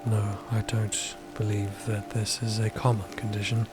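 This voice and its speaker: A man acts out an undead space explorer in an audio drama, low-voiced and formal. Every line is detached and deadpan, emptied of emotion. Loud music and rain play behind the voice. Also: measured pace, close to an everyday voice. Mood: detached, flat. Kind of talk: dramatic audio fiction acting.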